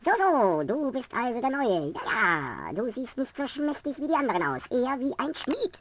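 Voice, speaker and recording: A high, female-sounding voice is put on as a character. It moves at a moderate pace. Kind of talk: comic fantasy audio play. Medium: read story. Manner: testy, condescending, dry.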